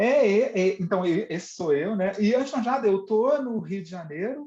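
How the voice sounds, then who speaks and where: The speaker is a man. Very wide pitch swings run through his speech. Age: 50s. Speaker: UX writing consultant and author. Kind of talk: panel discussion livestream. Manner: casual, animated.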